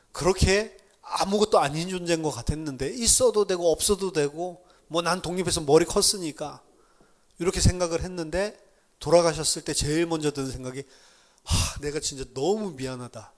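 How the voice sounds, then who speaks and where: A middle-aged man preaches a sermon in church. His voice sits a little high, and he tells his stories in an animated way, often laughing at himself as he goes. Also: a little fast. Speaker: pastor.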